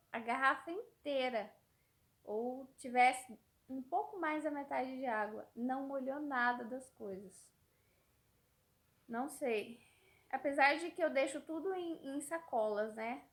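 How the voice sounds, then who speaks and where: A woman's voice: high-pitched, takes it slowly, fairly bright tone. A woman in her thirties from Brazil, telling a rambling everyday story to her vlog audience, often repeating words and trailing off. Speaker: mother vlogger.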